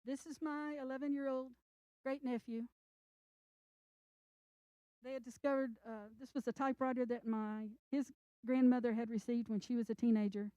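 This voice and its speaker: A woman's voice: on the high side, steady tone, warm tone, dry recording, dull audio. An older woman author giving an earnest, encouraging talk to an audience at a library event. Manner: earnest, encouraging, speaks slowly with emphasis. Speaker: children's book author.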